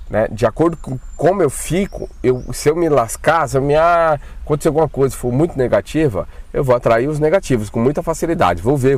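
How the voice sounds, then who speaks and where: A man casually recounting his own frightening experience, talking in a colloquial, animated way with slang and swearing. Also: mid-range voice, dry recording. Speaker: channel host telling his own spiritual experiences. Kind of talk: casual first-person storytelling.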